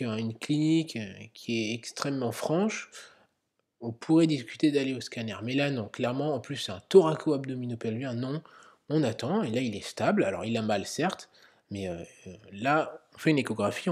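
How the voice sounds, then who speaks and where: Man talking through a medical quiz, husky. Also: mid-range voice, a little mellow. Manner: explanatory, thinking aloud with many fillers. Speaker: medical educator. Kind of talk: narrated quiz lesson.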